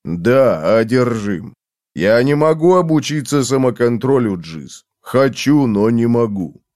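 A man voicing a gruff, tormented man in a storybook reading, speaking slowly and tersely. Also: mid-range voice, lively intonation, darkish tone, no echo, studio quality, close to an everyday voice. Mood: brooding. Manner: slow, heavy, terse.

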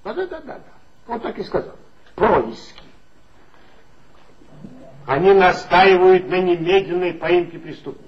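A fussy insistent police chief. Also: male voice, high voice, expressive, measured pace, pauses often. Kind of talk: 1960s Soviet radio play acting. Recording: dull 1960s studio recording.

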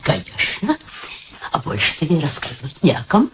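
Cheerful pushy old mom in a radio play, swoopy voice, effusive, noisy recording. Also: female voice, low-pitched, wildly swooping pitch, normal speed. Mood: indignant, brisk. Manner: effusive, coaxing, emphatic. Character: elderly matchmaking mother, wheelchair-bound, sharp and cheerful.

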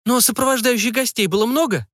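Guy doing a high fussy mom, nags and frets, swoopy voice, dry sound. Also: quick pace, a bit bright, dry recording. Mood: prying. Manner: fretful, breathless questioning. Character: fussy excitable middle-aged mother.

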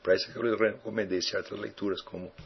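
A man's voice: fairly low pitch, level tone, fast talker, creaky, slight background noise. A man, a philosophy teacher answering student questions in a rambling, reflective way with frequent tag questions. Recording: dull lo-fi recording.

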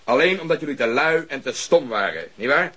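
An actor playing a gruff, exacting, short-tempered police detective in a radio crime drama, blunt and commanding. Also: male voice, medium pitch, expressive, fairly quick, a bit bright. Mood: angry, commanding.

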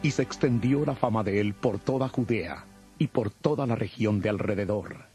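A man narrates a dramatized Bible in a solemn storytelling manner. His voice is fairly low, dark and very husky, with soft music behind it. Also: moderate pace.

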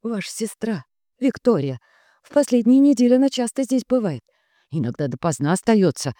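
A woman voicing an anxious, devoted middle-aged housekeeper with a high, fretting, lamenting way of talking. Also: big pitch swings, moderate pace, warm tone, dry recording, studio quality. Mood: confiding.

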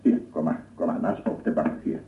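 A man's voice: a bass voice, little pitch movement, brisk, slight background noise. An actor playing an obsessive lone scientist in a radio play, cooing and murmuring repetitively as he does with his dog. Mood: playful, soothing. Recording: echoey, distant, phone-like old radio recording.

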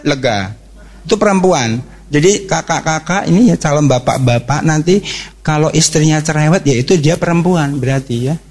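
An animated middle-aged man gives a religious seminar talk. His voice sits a little high for a man, and he keeps it lively and jokey, firing questions at the audience. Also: breathy edge. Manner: animated, jokey, asks the audience questions, acts out quick exclamations. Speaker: speaker at a parenting and youth talk.

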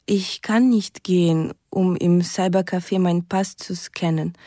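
A woman's voice: on the low side, fairly even intonation, measured pace, warm tone, no echo, studio quality, natural voice. An actress playing a sad, fearful sweetheart, reading her letters aloud intimately and mournfully in a German radio drama. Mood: sad, anxious.

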